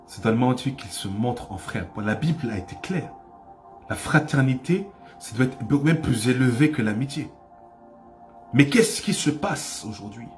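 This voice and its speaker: A male pastor delivers a fervent sermon in a middle-pitched voice, building from calm teaching to loud, urgent cries. He leans on repetition to drive points home. Faint music plays beneath his voice. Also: normal speed. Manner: impassioned preaching, rising to cries; repeats phrases for emphasis.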